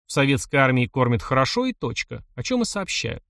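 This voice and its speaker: A man's voice: mid-range voice, very animated, a little fast, creaky, fairly bright tone, no room sound. Guy reading an audiobook, wry and ironic, dry close recording. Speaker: audiobook narrator. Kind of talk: first-person audiobook narration.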